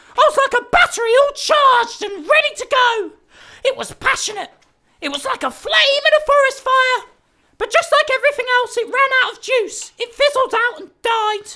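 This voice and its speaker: A put-on character voice at an extremely high pitch, delivered at a moderate pace. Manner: rambling, bitter.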